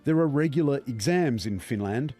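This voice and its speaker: A man giving scripted documentary narration in a measured, explanatory way. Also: medium pitch, expressive, warm tone, faint music behind.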